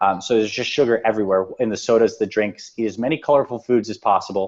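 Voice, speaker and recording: Very fast speech over a quiet background. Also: man. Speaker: doctor giving health talk. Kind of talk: online presentation. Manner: animated.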